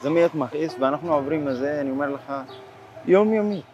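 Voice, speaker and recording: A man's voice: fairly high pitch, a little mellow, lo-fi sound, slight background noise. A man in an outdoor city interview, telling his account emphatically and with agitation. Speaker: interviewee, asylum seeker community member. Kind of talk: interview talk. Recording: music bed underneath.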